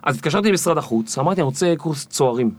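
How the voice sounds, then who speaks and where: A man guest on an interview podcast, telling stories in a lively way and acting out the people in them. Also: on the high side, dry recording. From Israel. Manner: animated, acts out the people in his stories. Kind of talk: storytelling interview.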